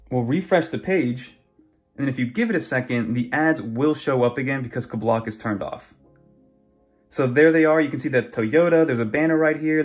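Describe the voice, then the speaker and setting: A young man casually walking through tablet browser features in a chatty, conversational way. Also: mid-range voice. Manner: chatty, conversational, many fillers. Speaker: tech YouTuber. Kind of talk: casual screen walkthrough.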